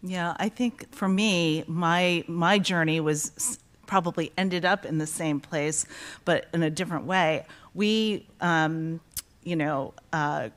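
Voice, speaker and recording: A woman's voice: lowish voice, takes it slowly. A woman interviewing an author in an onstage conversation. She holds a handheld microphone and speaks in an emphatic, conversational way, with many fillers. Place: stage at a library event. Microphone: handheld mic.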